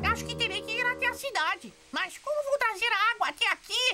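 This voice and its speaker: A cartoonish character voice with a playful tone at a fairly quick pace. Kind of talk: cartoon dub comic acting. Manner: excitable, playful.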